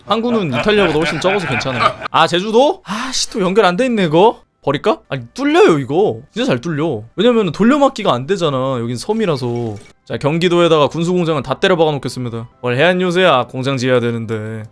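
A man's voice: a little high, very animated, fast, hardly any pauses, soft background music. A young man commenting on a strategy game as a streamer, exclaiming and swearing casually.

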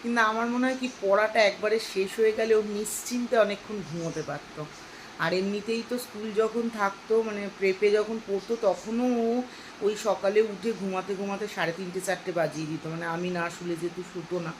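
A woman's voice: mid-range voice, steady tone, quick pace, slight background noise. A woman in her thirties chatting casually to viewers as she goes about her day at home and cooks. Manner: chatty, talks straight to viewers in a homely way. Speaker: vlogger and mother. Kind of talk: casual daily-life vlog narration. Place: home kitchen and rooms, indoors.

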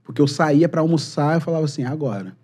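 Slangy fast-talking man from Rio. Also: fairly high pitch. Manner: animated, slangy, acts out quotes. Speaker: podcast guest. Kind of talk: casual storytelling.

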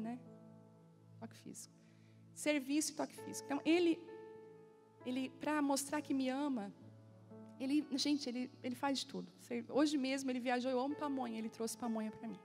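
A woman pastor in her forties preaches from the pulpit, with a high voice. She tells stories and acts out dialogue in lively bursts. Soft music plays faintly behind her. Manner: animated storytelling with acted-out dialogue. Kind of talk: sermon. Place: church.

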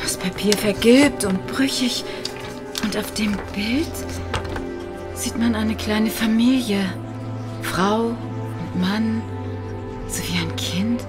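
A woman's voice: on the high side, slow pace, pauses often. An actress playing a frightened young woman trapped in a haunted house in a radio horror drama, anxious and pleading. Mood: hushed. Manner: anxious, pleading, murmuring to herself. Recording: music bed behind the voice.

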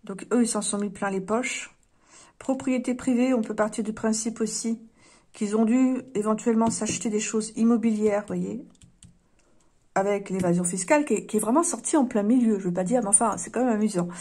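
Talking fairly quickly in a mid-range voice that is dark with a breathy edge, a card reader goes through oracle cards with her viewers. The casual, tarot-style reading is chatty and wry, packed with fillers and small jokes.

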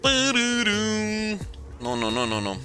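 A young man in his late teens streams a game and banters with his viewers in a sarcastic, joking tone. His voice is sharp and bright, a little high for a man, and it bounces around a lot as he talks. Faint music plays behind him. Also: sing-song, brisk. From Venezuela. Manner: joking and sarcastic while reading chat questions. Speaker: gaming streamer. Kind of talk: casual livestream commentary.

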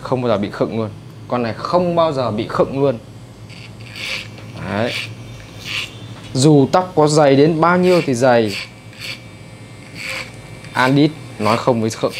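A man with a Northern Vietnamese accent giving a brisk, chatty hands-on haircut tutorial in a barbershop. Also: medium pitch, lively intonation, slight background noise. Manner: brisk, chatty, addresses viewers as brothers. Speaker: barber instructor. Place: barbershop indoors.

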